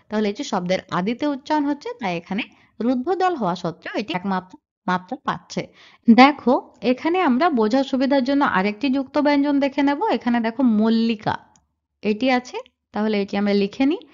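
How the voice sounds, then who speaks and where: A woman teacher giving a patient grammar lesson, explaining verse meter step by step and often asking if it is clear. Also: a little high, darkish tone. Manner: patient, repeats steps and checks in with 'ঠিক আছে?'. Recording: dull lo-fi voice recording.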